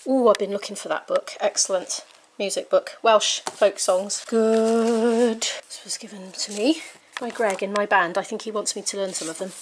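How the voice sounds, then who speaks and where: A British woman in her thirties films a casual home vlog on a handheld camera held close to herself, chatting enthusiastically and thinking aloud as she sorts boxes in her living room. Her mid-range voice has fairly even intonation at a normal speed, with a little hiss or hum in the recording.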